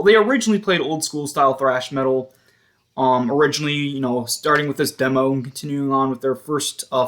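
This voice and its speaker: A man's voice: medium pitch, a bit bright. A man giving a casual, hesitant show-and-tell commentary as a collector, often stopping to correct himself. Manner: halting, hesitant, self-correcting. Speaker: music collector vlogger.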